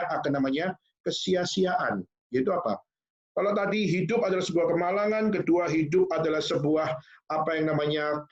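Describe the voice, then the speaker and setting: A male pastor preaching a sermon, asking the congregation rhetorical questions and slipping in English phrases. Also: high voice. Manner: preaching with rhetorical questions, addressing listeners as "Saudara"; mixes English phrases into speech. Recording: echoey church hall, dull sound.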